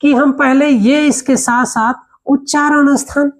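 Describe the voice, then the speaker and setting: A woman gives a spoken grammar lesson in a fairly high voice. She explains patiently, asking rhetorical questions and reaching for everyday examples. When she lists the letters, she sounds each one out slowly and with care. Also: fairly even intonation. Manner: slow, careful recitation of letters. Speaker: Hindi grammar teacher.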